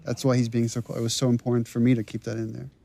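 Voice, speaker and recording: A man giving developer commentary on his own game, thinking out loud about the scenes. He often stops and restarts, and his voice sits at an ordinary middle pitch. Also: completely flat delivery, very fast, gravelly. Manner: thoughtful, with stammered restarts. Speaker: game writer and director.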